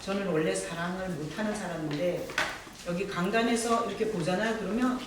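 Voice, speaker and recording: A pastor giving a sermon from the pulpit, telling stories with gentle humor and calling on members of the congregation by name. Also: mid-range voice, a little fast, noisy background. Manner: warm storytelling with gentle humor. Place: church sanctuary, from the pulpit. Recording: very echoey hall, voice from far off.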